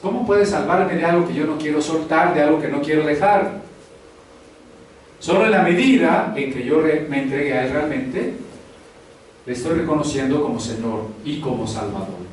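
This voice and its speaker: Male pastor, sermon, high-ish voice, far from the mic in a very echoey hall. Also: normal speed, slight background noise. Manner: conversational preaching with rhetorical questions. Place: church hall.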